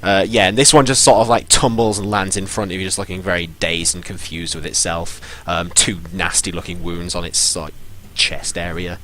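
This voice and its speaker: A man with a very low voice narrates as game master of a tabletop game on a live stream. He talks in a halting way, full of ums and "sort of" as he works out the scene. A faint hiss sits under his voice. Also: fairly even intonation, a bit bright.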